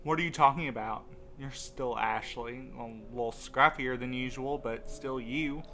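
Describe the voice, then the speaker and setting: An actor playing a stubborn, devoted courier in an audio drama, insistent and questioning. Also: male voice, medium pitch, normal speed, sharp tone, soft background music. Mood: confused, hurt. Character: stubborn, devoted young courier desperate to keep his loved one.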